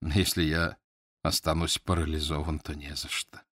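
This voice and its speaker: A male reader voicing a wounded captive English lord, speaking hoarsely, slowly and wearily in a low voice. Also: flat delivery, bright, forceful tone, no room sound, clean studio sound, heavily acted. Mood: wry.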